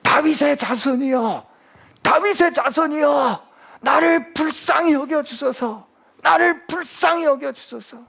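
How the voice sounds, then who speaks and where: A man's voice: animated, moderate pace, few pauses. A man playing a desperate blind beggar crying out. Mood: pleading. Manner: high, pleading, shouting from afar.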